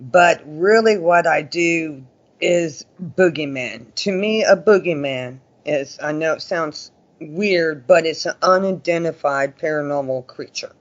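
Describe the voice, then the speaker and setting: Chatty, higher-voiced man on dull audio. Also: measured pace. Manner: chatty, folksy, often acts out quoted remarks. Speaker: interview guest, paranormal investigator. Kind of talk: casual conversational storytelling.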